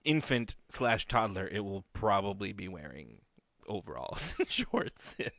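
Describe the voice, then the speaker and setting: A man with a hoarse, dry voice, chatting casually as a podcast co-host and telling animated stories with acted-out quotes. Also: fairly low pitch, a little slow, dry recording. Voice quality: dry, slightly off voice. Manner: animated storyteller, laughs often, acts out quotes. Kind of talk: casual chat.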